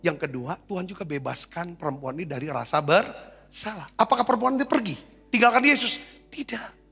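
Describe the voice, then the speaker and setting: A man's voice: high-pitched, lively intonation, brisk, vocal fry, pushed and bright, slightly rough, in a large hall, faint music behind. A male pastor preaching a sermon in a conversational, exhorting way, often calling for an amen and asking rhetorical questions. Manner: exhorting, repeatedly asks for amens.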